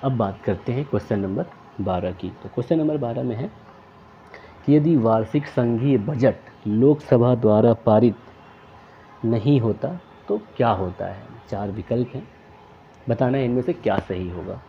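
Man, quiz tutor, methodical, steady mid-pitched voice, slightly dull lo-fi recording, faint hiss. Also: moderate pace. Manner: methodical, reads each question and options aloud then names the answer. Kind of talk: exam question walkthrough.

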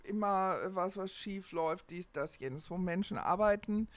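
A woman's voice: fairly low pitch, moderate pace. A middle-aged woman, talking conversationally as an interview guest and searching for her phrasing as she goes. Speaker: hotel owner, interview guest.

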